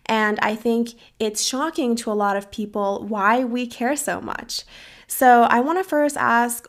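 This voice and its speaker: Earnest, fairly high-voiced woman host. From United States. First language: Farsi. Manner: earnest, measured, serious. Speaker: podcast host. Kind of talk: earnest interview and commentary.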